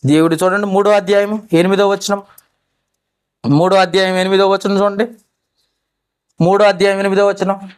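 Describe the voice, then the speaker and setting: A man preaching a sermon, addressing the listeners with questions and swinging between loud pleading peaks and low asides. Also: flat delivery, moderate pace, long pauses, clean tone. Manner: asks the listeners questions directly.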